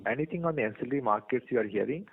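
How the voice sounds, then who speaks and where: Indian man, analyst caller, gravelly and hesitant, thin telephone audio. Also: mid-range voice, lively intonation, rapid-fire, a little hiss or hum. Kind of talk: question-and-answer on earnings call. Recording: tinny phone line.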